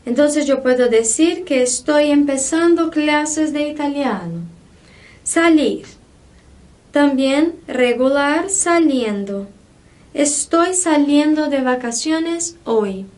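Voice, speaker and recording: Woman, Spanish teacher, high bright register, patient step-by-step explainer, frequent check-ins. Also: expressive, slow. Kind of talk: online grammar lesson.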